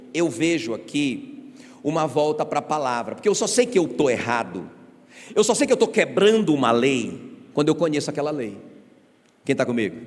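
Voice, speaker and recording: Preaching in a church sanctuary, this pastor speaks on the high side, lively and conversational, peppering his sermon with rhetorical questions and jokes. The recording carries the reverberation of a church hall.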